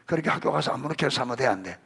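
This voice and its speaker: Male pastor, middle-aged, gravelly voice, lively pitch, sermon that quizzes the congregation. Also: racing. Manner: questions the congregation and calls on children by name; animated, rising emphasis on scripture.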